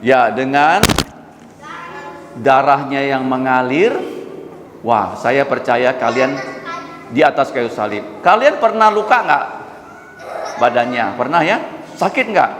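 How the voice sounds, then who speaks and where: Man, Sunday school teacher, lively children's sermon, echoey hall with faint room noise. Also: medium pitch, slow, long pauses. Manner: animated, asks the children questions. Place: church hall. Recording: echoey church hall with long reverb.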